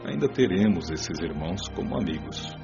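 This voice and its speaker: A man playing a calm, wise spirit mentor in a radio drama, speaking in a composed, instructive way. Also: low-pitched, moderate pace. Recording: dull lo-fi audio with clear music.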